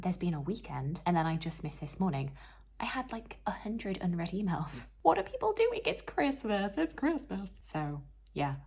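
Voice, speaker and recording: A woman's voice: fairly low pitch, darkish tone, breathy edge. A young woman chatting casually to camera as a book vlogger, in a rambling, self-deprecating way.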